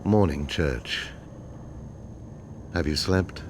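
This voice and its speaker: A world-weary intelligence chief in a game cutscene, with a very deep voice. His delivery is terse and blunt, sure of his authority. There is clear background noise with a vehicle-like rumble. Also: drawn-out words, exaggerated voice. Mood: terse, grim. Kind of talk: video game cutscene acting.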